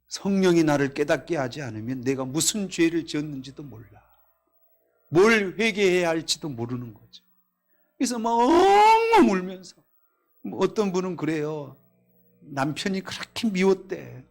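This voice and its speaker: A man preaching a Korean sermon at a Friday night service, reading scripture aloud, telling stories and asking the congregation questions, swinging between loud exclamations and quiet asides. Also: a little high. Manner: reads scripture in a raised voice. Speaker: pastor. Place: church.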